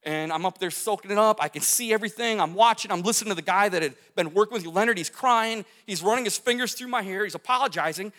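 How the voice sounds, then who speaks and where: Male testimony speaker, high pitch, repeats phrases for emphasis, long hall reverb. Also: fast, hardly any pauses, a bit bright. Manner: vivid storytelling with gestures, repeats phrases for emphasis. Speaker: speaker telling his near-death story. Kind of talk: testimony talk to an audience.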